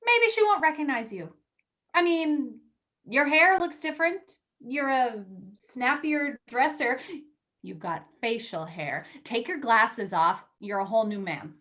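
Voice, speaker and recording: Eager, higher-pitched young woman editor played by an actress. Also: expressive, a little slow, fairly bright tone. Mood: coaxing. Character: eager young female magazine editor, teasing and persuasive. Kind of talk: virtual staged play reading, naturalistic dialogue.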